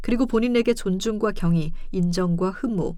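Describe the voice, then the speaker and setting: An ordinary speaking voice comes from a woman at a medium pitch. She keeps a moderate pace with ordinary pitch variation. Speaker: audiobook reader. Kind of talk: audiobook reading. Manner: soft, calm ASMR-style reading.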